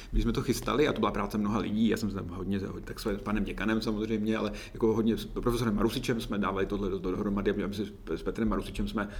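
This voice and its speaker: A man talks very fast in a fairly low, monotone, flat voice with audible room echo. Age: 40s. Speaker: professor of pathology. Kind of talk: interview.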